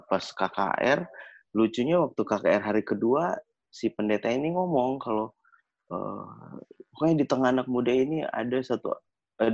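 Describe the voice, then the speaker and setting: Podcast guest, thirties, from Manado, jokey and animated, with a fry-heavy voice on a dry close recording. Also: male voice, fairly low pitch, no room sound. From Manado, Indonesia. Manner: animated, slangy, jokey storytelling. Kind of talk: casual storytelling chat. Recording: dull lo-fi, dry sound.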